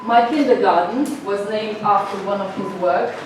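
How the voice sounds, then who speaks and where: A woman from northern Slovenia gives a seminar lecture, pausing often on filler sounds and inviting the audience to answer her questions. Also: medium pitch. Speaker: guest lecturer. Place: lecture room. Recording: very echoey room, mic far off, noisy.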